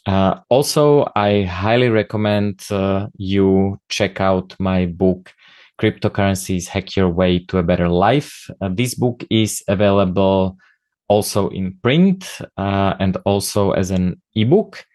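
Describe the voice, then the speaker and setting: A deep-voiced man speaking English with a Slovak accent, Slovak being his native tongue. He talks in a halting, earnest way, stopping often mid-thought. His voice is smooth and sits close and dry on the mic. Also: a little mellow, dry recording. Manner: halting, many pauses, earnest and opinionated. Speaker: podcast host and presenter. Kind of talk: informal spoken presentation.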